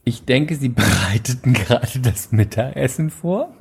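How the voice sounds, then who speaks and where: A man's voice: medium pitch, a little slow, gravelly, husky. A man from Thuringia in eastern Germany telling an anecdote in a casual chat, acting out the quotes and using many fillers. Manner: animated storyteller, acts out quotes, many fillers. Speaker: actor and podcast guest.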